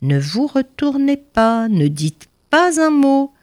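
A woman's voice: high-pitched, sing-song, slow, pitched above the performer's own voice, heavily acted. Woman voicing a placid, wise old rabbi. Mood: hushed. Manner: warm, soft-spoken, placid. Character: calm, wise old rabbi, gentle and cunning.

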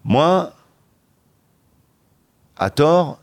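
A middle-aged man as a podcast guest, telling stories in a lively, halting way with bursts of excitement. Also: on the high side, vocal fry, dry recording. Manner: animated storytelling, halting restarts, bursts of excitement. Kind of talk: candid interview talk.

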